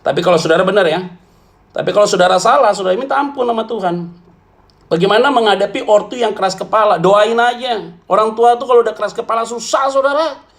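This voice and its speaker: High-voiced blunt joking pastor, a man. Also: quick pace. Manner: blunt, joking, colloquial, calls listeners "saudara". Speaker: pastor answering questions. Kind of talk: church Q&A talk.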